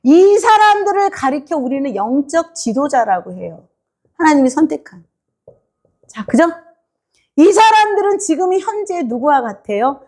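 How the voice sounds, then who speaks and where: A woman's voice: sits high, big pitch swings, moderate pace, a little mellow. A woman preacher giving a sermon in a church, quizzing her congregation and acting out the people she talks about. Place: church sanctuary.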